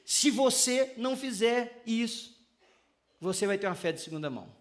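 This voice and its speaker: High-voiced man preaching with humor. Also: moderate pace. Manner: humorous, animated preaching with acted-out prayers. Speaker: pastor. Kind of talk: sermon.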